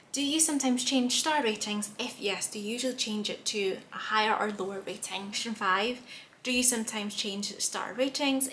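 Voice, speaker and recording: Young woman, bright voice, a bit hoarse, rambly book chat in a little room with faint hiss. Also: on the high side. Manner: chatty, rambling, many fillers and restarts. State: slightly hoarse, clearing throat. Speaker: book vlogger. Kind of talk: casual chat to camera. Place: small room with bookshelves, indoors.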